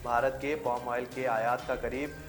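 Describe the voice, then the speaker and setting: A man's voice: mid-range voice, little pitch movement, moderate pace. A man reading a scripted news bulletin as the anchor, with music behind him.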